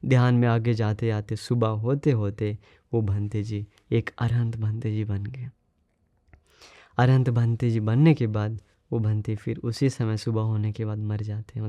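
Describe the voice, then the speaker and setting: Male monk preacher, sermon storyteller, mellow low-bright tone, dry close sound, asks listeners rhetorical questions. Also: flat delivery, a little slow, no room sound, dull audio.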